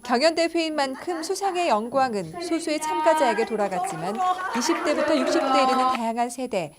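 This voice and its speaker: A woman reporter narrating a news segment in a formal, measured way. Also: high-pitched, animated, over a noisy crowd, very noisy.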